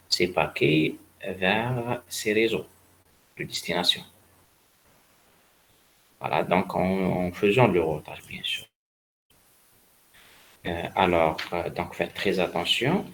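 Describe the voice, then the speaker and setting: A man lecturing on a technical subject in a halting, didactic way, repeating key points for emphasis. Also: deep voice, vocal fry, a bit bright, a little hiss or hum, rough recording. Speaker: networking lecturer. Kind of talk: spoken university lecture.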